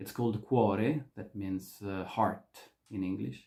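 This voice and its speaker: Speaking at a very slow pace, a man uses a dark, mellow tone with an Italian accent. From Italy, Rome. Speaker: actor and film director. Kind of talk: self-introduction. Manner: halting.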